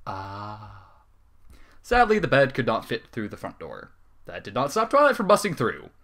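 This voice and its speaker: A man's voice: mid-range voice, wildly swooping pitch, moderate pace, a bit bright. A man reading a comic fan story aloud as a dramatic narrator. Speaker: story reader.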